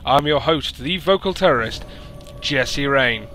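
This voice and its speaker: A man, hoarse from losing his voice, hosting and commentating a strategy game by himself and rising to excited announcing at big moments. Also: medium pitch, a little slow, a little hiss or hum. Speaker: esports caster and show host.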